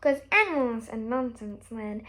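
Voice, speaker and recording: A woman's voice: on the high side, animated, measured pace, fairly bright tone, pitched below the performer's own voice. A woman voicing a matter-of-fact chicken from a nonsense land in a children's storybook.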